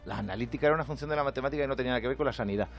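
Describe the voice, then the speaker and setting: A man from Spain with a Spanish accent, delivering an animated, jokey comic monologue on a radio show. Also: mid-range voice, rapid-fire, faint music behind. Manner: animated, jokey, acts out quoted voices. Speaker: comedian with a radio segment. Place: radio studio.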